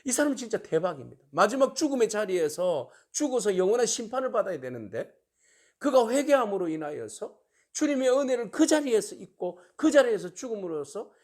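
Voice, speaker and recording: A male pastor preaching a sermon in an animated way, often asking his listeners to agree and acting out the taunts of mockers. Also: sits high, brisk. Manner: asks the congregation for agreement.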